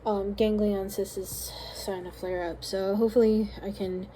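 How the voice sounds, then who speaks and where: Tired woman, mellow voice, rambling. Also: mid-range voice, flat delivery, normal speed, a little hiss or hum, low-quality recording. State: voice slightly strained, starting to go. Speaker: small craft business owner vlogging. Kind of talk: casual rambling vlog diary. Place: hotel room.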